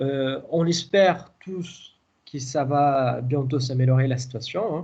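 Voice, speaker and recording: A man's somewhat breathy, medium-pitched voice with ordinary pitch variation, in audible room echo. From Brazil. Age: 30s. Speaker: university lecturer. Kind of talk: lecture. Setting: video call. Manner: halting.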